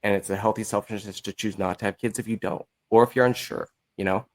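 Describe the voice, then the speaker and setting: A man with a fairly low voice talks as a podcast guest. His delivery is casual and halting, as he feels his way toward the right words. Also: fairly even intonation. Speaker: podcast guest, musical creator. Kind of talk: casual chat.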